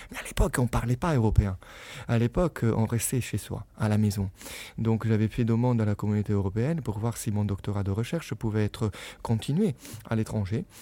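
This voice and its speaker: With an Italian accent, a man speaks at a fairly quick pace in a fairly low, dark, mellow tone with ordinary pitch variation, on a very clean recording with a silent background. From Italy, Naples. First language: Italian (speaking French). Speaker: veterinary anesthesiologist. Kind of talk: interview. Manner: halting.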